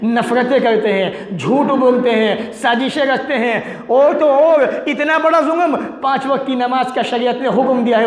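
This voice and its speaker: High-voiced preacher in an echoey hall. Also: male voice. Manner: urgent, rhetorical, chanting lists of sins. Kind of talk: fiery sermon.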